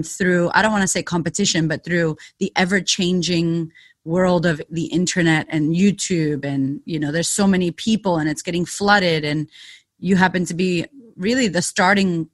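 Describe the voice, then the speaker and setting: A woman's voice: fairly low pitch, no room sound. A woman hosting a business podcast, asking long, rambling, enthusiastic questions. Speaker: podcast host. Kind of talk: conversational interview.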